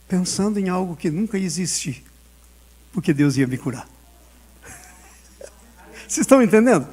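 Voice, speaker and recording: A man's voice: high-pitched, a little mellow, husky. A male pastor preaching a sermon, telling a personal story and acting out the dialogue with frequent laughter.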